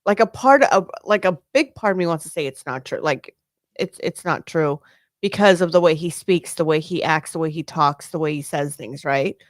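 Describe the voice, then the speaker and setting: A woman's voice: low voice, normal speed, dry recording, studio quality. A woman co-hosting a casual podcast, talking in long rambling runs full of "like" and the odd swear word. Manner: rambling, many "like" fillers, swearing. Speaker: podcast co-host.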